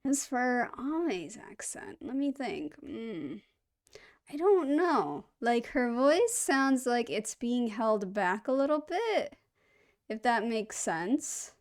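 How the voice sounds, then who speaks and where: A woman with a slightly high voice hosts a casual reaction video. She talks in a chatty, rambling way. She stays upbeat and laughs at her own slips. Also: sing-song, slow.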